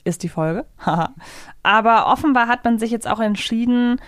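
A woman's voice: a little high, normal speed, smooth, no echo, clean studio sound. A woman co-hosting a podcast, talking casually and reflectively in long, winding clauses. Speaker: podcast co-host. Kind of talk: casual discussion of an audio drama.

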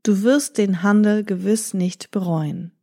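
A clever, polite parrot talks his captor round, voiced by a woman reading aloud. The delivery is slow and soft-edged, warm rather than bright, in a storybook reading. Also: mid-range voice, steady tone. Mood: persuasive. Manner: pleading, then smoothly persuasive. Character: clever talking male parrot, polite and persuasive.

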